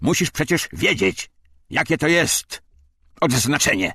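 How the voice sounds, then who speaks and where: Put-on character voice from a man, fairly high in pitch, with lively intonation at a moderate pace. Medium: read story. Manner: harsh, barking.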